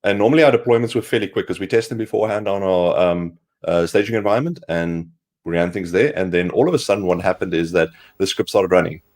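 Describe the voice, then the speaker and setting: Hoarse man explaining tech stories. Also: deep voice, fast. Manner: explanatory, rambling with fillers. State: hoarse from a cold. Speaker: co-host. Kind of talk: casual tech livestream talk.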